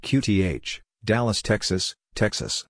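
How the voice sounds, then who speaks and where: A man's voice: on the low side, unhurried, no echo, studio quality. A man reading short radio practice phrases one at a time, repeating words, for a code lesson. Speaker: Morse code practice reader. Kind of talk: slow scripted reading of phrases.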